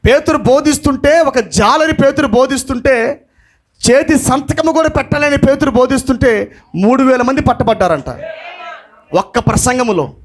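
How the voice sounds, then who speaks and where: Fiery high-voiced male pastor. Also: moderate pace. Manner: impassioned, mixing English phrases, shouting emphatic lines. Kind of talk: sermon.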